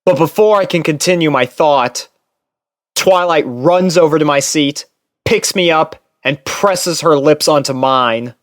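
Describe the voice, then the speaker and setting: A man reading fan fiction as a first-person narrator, expressive and theatrical. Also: fairly high pitch, unhurried, no room sound, studio quality.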